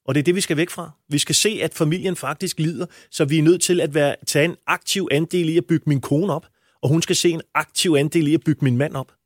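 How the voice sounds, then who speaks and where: A men's coach, speaking with a fairly high pitch and steady tone, gives interview answers. He's blunt and emphatic, and his language is frequently crude. The recording is dry, with clean studio sound.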